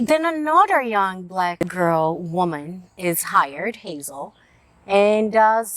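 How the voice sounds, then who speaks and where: With lively intonation, a woman speaks in a Brazilian Portuguese accent at medium pitch, the sound dry and close with no echo. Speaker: book vlogger. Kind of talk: casual vlog book talk.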